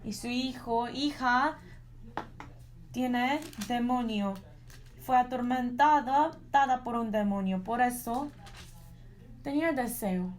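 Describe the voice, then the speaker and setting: Woman, sermon interpreter; earnest, halting delivery, slightly high pitch. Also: slight background noise. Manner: earnest, with frequent restarts and "¿no?" tags. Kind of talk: live Spanish interpretation of a sermon.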